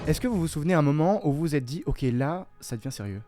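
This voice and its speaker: A man's voice: a little high, expressive, quick pace, loud music behind the voice. A man interviewing a guest, putting prepared questions politely in a formal register. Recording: noisy, clicky audio.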